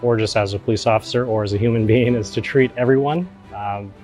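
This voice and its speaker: Earnest, low-voiced male officer. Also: fast talker, a little mellow, soft background music. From Southern Oregon. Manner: earnest, friendly, with fillers. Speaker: police officer. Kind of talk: recruitment video interview.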